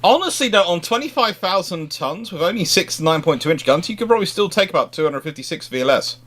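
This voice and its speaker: A man's voice: sits high, lively intonation, fast, fairly bright tone, slight background noise. A man giving expert commentary in a naval history discussion, often reworking his phrases as he goes.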